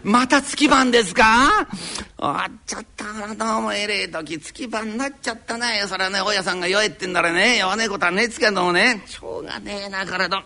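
A man voicing a rough-spoken, grumbling poor tenant in a live rakugo storytelling, with an old Tokyo downtown accent. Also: high voice, bright, forceful tone, exaggerated voice. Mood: chatty. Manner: grumbling, rough, quick retorts. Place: live performance hall.

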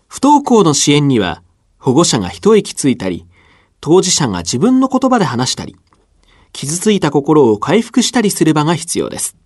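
A man hosting a radio program as its announcer, reading a polite, measured script in a studio. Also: a little high, a little mellow, no room sound. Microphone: studio microphone.

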